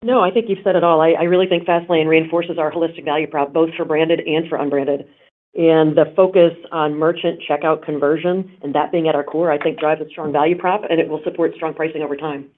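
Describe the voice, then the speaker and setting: A woman's voice: low-pitched, fairly even intonation, brisk. A woman, a company executive, giving an answer on an earnings call. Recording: thin phone-like call line.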